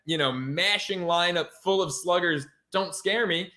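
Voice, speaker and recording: A man's voice: sits high, unhurried, pushed and bright. A man co-hosting a sports podcast in a casual chat, brash and emphatic, swearing freely. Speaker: podcast co-host.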